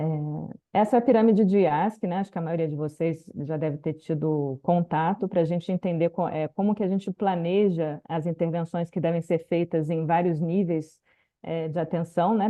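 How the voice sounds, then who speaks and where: A woman's fairly low pitch, at a moderate pace with fairly even intonation. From Rio de Janeiro, Brazil. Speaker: psychiatrist. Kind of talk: lecture. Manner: hesitant, many fillers.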